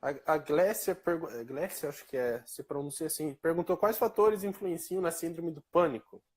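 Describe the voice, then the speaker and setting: A man's voice: fairly high pitch, normal speed, a little mellow, slightly rough. A man from southern Brazil, a hypnotherapist guest on a casual live chat, relaying viewer questions and chiming in briefly.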